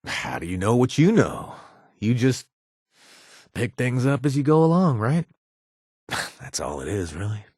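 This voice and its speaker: An actor playing a wry, joking former raider who is protective of his friend, with a husky voice. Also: mid-range voice, big pitch swings, a little slow, pauses often, darkish tone, dry recording, studio quality. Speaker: game companion. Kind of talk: video game voice lines.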